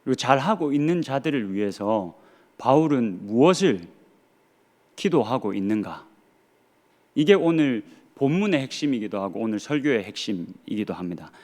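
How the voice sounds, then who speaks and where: A man's voice: medium pitch, big pitch swings, moderate pace, darkish tone. A man in his thirties, a pastor with a Gyeongsang Korean accent, preaching a sermon earnestly with rhetorical questions and dry humor. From Gyeongsang region of Korea.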